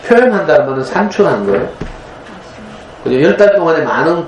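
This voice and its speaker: A man's voice: a little high, big pitch swings, quick pace, faint music behind. A man, giving a conversational lecture to parents in a folksy, storytelling manner, often checking in with his audience. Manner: folksy, storytelling, frequent tag questions. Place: lecture room. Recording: roomy lecture hall with faint hum.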